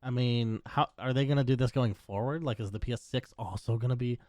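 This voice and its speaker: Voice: medium pitch, a little fast, dark tone, no echo. A co-host of a gaming podcast chatting casually in a laid-back, hedging way with lots of fillers.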